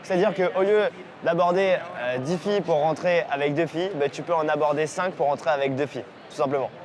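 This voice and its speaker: A man working as a dating coach, giving energetic, slangy coaching commentary out on a city street. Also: a little high, a little fast. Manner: energetic, casual slangy talk.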